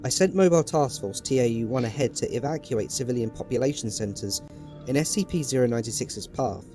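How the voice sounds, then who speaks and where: Man playing a composed scientist giving a formal report, mid-pitched, clear music behind. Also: lively intonation, natural voice. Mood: calm. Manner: slow, deliberate, formal report. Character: composed, deliberate male scientist.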